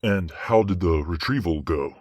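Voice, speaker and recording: Low male voice actor as a stern, fair archangel judge, formal and measured, fantasy audio drama, close dry sound. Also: animated, darkish tone, no room sound. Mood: measured, probing.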